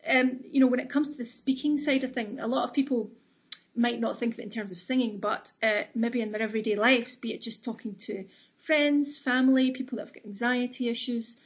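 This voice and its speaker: A woman's voice: a little high, steady tone, a little fast, lo-fi sound. A woman interviewing a guest, asking long, chatty questions. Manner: chatty, conversational, rambling questions.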